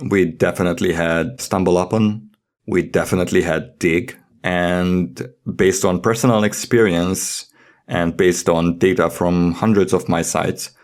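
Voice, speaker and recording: A man's voice: deep voice, a little mellow. A man co-hosting a casual podcast, explaining things conversationally with examples and tentative phrasing. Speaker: podcast host.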